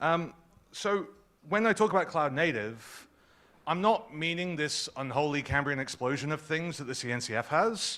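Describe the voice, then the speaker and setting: Speaking at a moderate pace, a man with a fairly high pitch uses a bright, sharp tone and lively intonation on a very clean recording with a silent background. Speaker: technology conference speaker. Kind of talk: conference talk. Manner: casual, humorous.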